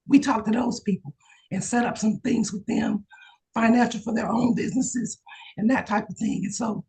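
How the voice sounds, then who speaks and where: Hoarse woman, slightly higher pitch, eager testimonial on a video call. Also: rough recording. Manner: excited, testimonial chat with laughs. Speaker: insurance agent. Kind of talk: casual video call chat.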